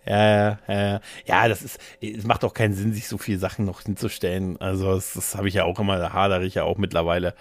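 A man's voice: low-pitched, little pitch movement, quick pace, hardly any pauses, no room sound. A man chatting casually as a podcast host, rambling and jokey, often interrupting himself. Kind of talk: casual chat about games and films.

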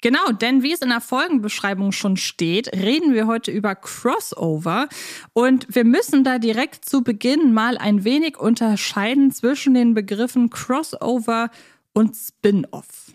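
A woman's voice: a little high, expressive, measured pace, no echo, studio quality. A talkative woman co-hosting a podcast in a casual, teasing chat style. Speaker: podcast co-host.

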